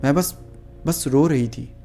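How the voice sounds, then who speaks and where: A man voicing a frightened young woman who speaks in confused, halting repeats. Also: medium pitch, dark tone, soft background music.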